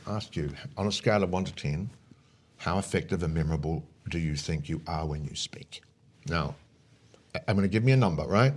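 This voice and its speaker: A man talking as a coach in a conversational interview, explaining his points emphatically and often punctuating them with short check questions. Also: low voice. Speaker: speaker coach, interview guest.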